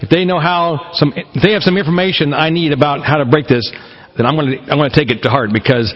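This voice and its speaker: A man at a very fast pace, ordinary pitch variation, noticeable background noise. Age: 50s. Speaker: preacher. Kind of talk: sermon.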